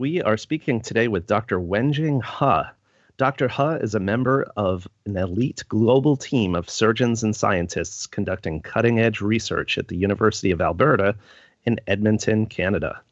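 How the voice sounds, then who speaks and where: Over a quiet background, a man with an unremarkable speaking voice talks at a fairly low pitch. His pace is moderate, with ordinary pitch variation. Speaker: podcast host. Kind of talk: casual interview.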